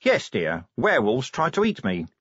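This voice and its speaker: A man voicing a weary, sardonic middle-aged city watch commander in an audiobook, dry and wry, with a husky voice. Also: mid-range voice, wildly swooping pitch, moderate pace, no room sound, highs cut off. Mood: dry, resigned. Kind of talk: audiobook character voice.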